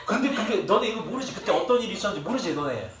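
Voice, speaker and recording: Amid background noise, a young man lectures his class at a very fast clip, his high voice swinging widely in pitch. He rambles, trades jokes with students and swears without restraint, recorded through a distant mic in an echoey room with faint ambience.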